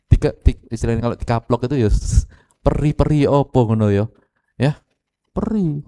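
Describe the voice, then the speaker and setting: A middle-aged man with an East Javanese accent preaching an animated sermon, speaking straight to the congregation. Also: medium pitch, normal speed. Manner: animated, addresses congregation directly, mixes Javanese phrases. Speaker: pastor. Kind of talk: lively sermon with acted quotes.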